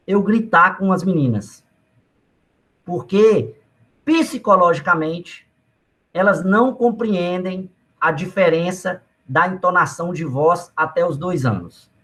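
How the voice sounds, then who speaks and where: A man teaching an economics class in a relaxed, conversational way. His voice sits fairly high for a man, and he keeps turning to the students with asides and stories from his own life. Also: slow. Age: adult father of young children. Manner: conversational, uses personal anecdotes and frequent asides to students. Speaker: economics lecturer. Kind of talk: casual spoken lecture.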